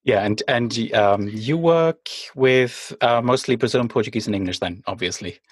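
A man hosting a live online podcast panel, friendly, with many fillers and quick asides. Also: mid-range voice, breathy edge, no echo. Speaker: podcast host. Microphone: video call.

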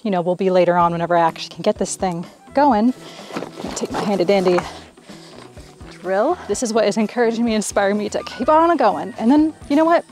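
Chatty young woman vlogging a camper fix-up. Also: mid-range voice. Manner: chatty, self-mocking, laughs often. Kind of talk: casual DIY vlog. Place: outdoors in a yard and inside a camper. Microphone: clip-on mic held to the mouth.

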